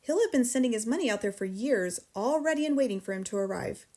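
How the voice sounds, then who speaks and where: A woman doing a soft, kind teacher. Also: on the high side, quick pace. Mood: calm. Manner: soft, calm and patient.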